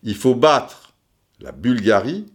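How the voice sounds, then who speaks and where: A man's voice: medium pitch, animated, slow pace. A man in his forties from France, hosting a podcast and telling a long personal story in a chatty, digressive way with many fillers and restarts. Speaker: podcast host. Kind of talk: casual storytelling monologue.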